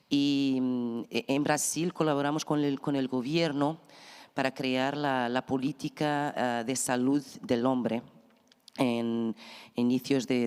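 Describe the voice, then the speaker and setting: A woman from Portugal, a native Portuguese speaker, gives a conference talk in a Portuguese accent, slowly and carefully, with hesitant restarts. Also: very deep voice, darkish tone, smooth. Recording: reverberant conference hall.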